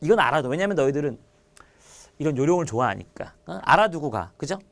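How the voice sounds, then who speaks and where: A man giving an online exam-prep lecture, chatty and animated, firing rhetorical questions at his students and reaching for everyday analogies. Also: a little high, fast. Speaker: Korean literature lecturer.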